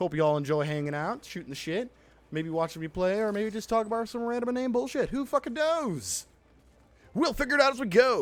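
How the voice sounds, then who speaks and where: A loud man talks at a very fast pace in an animated tone. His pitch swings very widely. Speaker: game streamer. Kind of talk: casual live stream chat while gaming. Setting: home streaming setup with pop filter mic.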